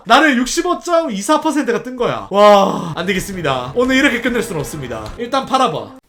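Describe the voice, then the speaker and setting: A gaming channel host giving casual commentary as they play, excitable, laughing often, pleading with the game and talking straight to viewers. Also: medium pitch, fairly quick. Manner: talks directly to viewers.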